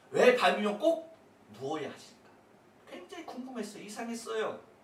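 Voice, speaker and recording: Over noticeable background noise and audible room echo, a man speaks at a moderate pace with an extremely high pitch and very wide pitch swings. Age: 60s. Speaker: pastor. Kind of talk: sermon.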